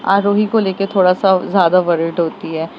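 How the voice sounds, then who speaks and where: A woman voicing an anxious young woman worried about her hurt best friend, asking hurried questions, on a slightly dull recording with faint traffic behind. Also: on the low side, steady tone, lightly acted.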